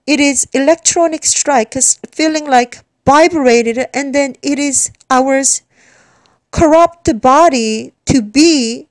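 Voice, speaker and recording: A woman from South Korea with a Korean accent, giving an earnest religious testimony in halting English, often repeating and restarting words. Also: sits high, darkish tone, no echo.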